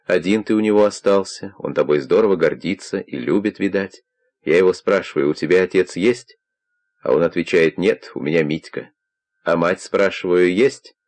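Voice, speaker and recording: A man playing a calm, persuasive older investigator. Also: low-pitched, moderate pace, close to an everyday voice. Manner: calm, persuasive, warmly probing.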